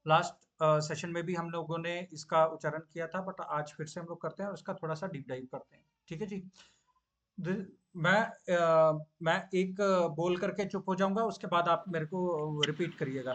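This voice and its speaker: A man teaching scripture in a class, explaining patiently, with frequent drawn-out hesitation sounds and English phrases mixed in. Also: a little high, fairly bright tone. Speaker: Gita teacher. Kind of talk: online class lesson.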